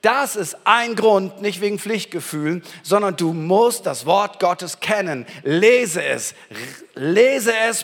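A man preaching a fervent sermon, swinging between shouting and quiet, intense declarations. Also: sits high. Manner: shouting with fervor, then dropping to quiet declarations. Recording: reverberant hall.

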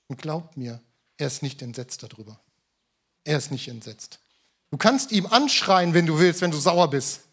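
A man preaching a sermon, lively and shifting from loud emphasis to soft, quiet asides. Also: fairly high pitch, husky. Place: church in Hamm.

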